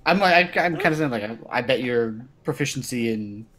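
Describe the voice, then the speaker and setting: A man's voice: mid-range voice, lively intonation, fairly quick, a bit bright, a little hiss or hum. A man chatting casually as a player in a tabletop roleplay game, describing what his character does. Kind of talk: casual, excitable game chat.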